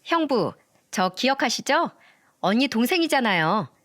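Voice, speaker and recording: Shrill, rude young woman, demanding and loud, put on by a woman narrator. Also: very animated, a little fast. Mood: fake friendly. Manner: shouting and swearing. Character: rude, greedy young woman, shrieking in anger.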